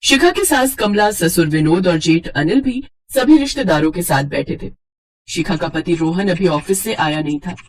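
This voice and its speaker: A woman narrating an animated moral storybook in an even storytelling manner. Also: fairly low pitch, normal speed.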